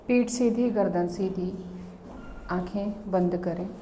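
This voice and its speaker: A woman leads a guided meditation as an instructor, calmly giving instructions in short phrases with long pauses. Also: medium pitch, a little hiss or hum.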